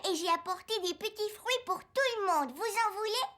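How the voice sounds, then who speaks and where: A woman's voice: very high-pitched, lively intonation, moderate pace, a bit bright. A woman voicing a cheerful, curious four-year-old boy in a French cartoon dub, with an eager, chirpy manner.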